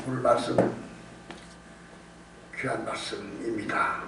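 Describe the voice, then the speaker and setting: 남자 목사가 같은 말을 거듭하고 스스로 묻고 답하며, 힘주어 강조하는 대화체로 설교한다. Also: male voice, lowish voice, steady tone, slow pace. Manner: emphatic, repeats phrases, rhetorical questions. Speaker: pastor preaching. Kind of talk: Korean evening-service sermon, conversational. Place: indoor church service. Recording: echoey church room, distant mic, noise, hum.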